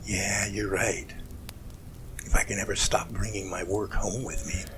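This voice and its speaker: A man's voice: on the low side, little pitch movement, bright, forceful tone, faint music behind, rough recording. A man playing an earnest, folksy, inquisitive professor in an amateur audio drama, with colloquial turns of phrase. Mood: tender, relaxed. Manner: folksy, colloquial, drawn-out remarks.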